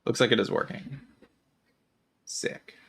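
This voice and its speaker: A man livestreaming a game and chatting casually, with heavy vocal fry, a low-energy hesitant delivery and a voice strained by a lingering cough. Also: slow pace. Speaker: game streamer. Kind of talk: casual livestream chat while playing a game.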